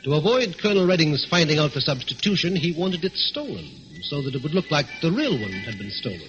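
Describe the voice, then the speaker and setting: An actor playing a shrewd, composed gentleman jewel thief in an old-time radio thriller, with a brisk, assured, explanatory manner. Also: fairly high pitch, big pitch swings, over music. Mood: reasoning, confident. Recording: muffled old radio recording, faint noise.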